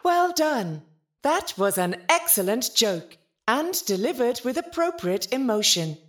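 An earnest, literal-minded ship's AI in an audio drama. The female voice is high and unhurried, with a melodic swing. Every phrase is formal and precise. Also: big pitch swings. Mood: pleased, helpful. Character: Al, polite literal-minded ship's artificial intelligence.

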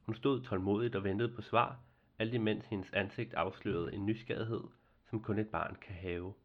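A man narrating a fairy tale in a calm, measured reading voice as host of a story series. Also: fairly low pitch, lo-fi sound.

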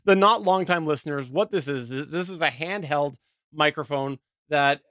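Higher-pitched man chatting, dry sound. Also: normal speed, bright, forceful tone, dry recording. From Canada. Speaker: podcast co-host. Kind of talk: casual chat about audio gear.

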